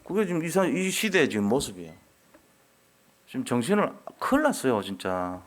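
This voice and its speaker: Animated scolding male Korean pastor. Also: mid-range voice, fairly quick. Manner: animated, acts out quoted voices of churchgoers and children; scolding then softening, rhetorical questions. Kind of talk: sermon. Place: church sanctuary.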